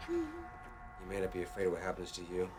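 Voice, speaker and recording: A man's voice: low-pitched, wildly swooping pitch, normal speed, background noise. An actor playing a cold, vengeful gunman in a western, speaking with brooding threat. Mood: cold menace. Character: vengeful, cold male gunman avenging his dead father. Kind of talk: western film acting. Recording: dramatic music under the dialogue.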